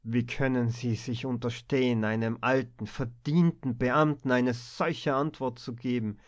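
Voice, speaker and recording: A man voicing a gruff older bank director who speaks in a curt, commanding tone, in a storybook reading. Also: medium pitch, fairly even intonation, measured pace, lightly acted. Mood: stern. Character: gruff older male bank director, stern but fatherly. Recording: dull lo-fi recording.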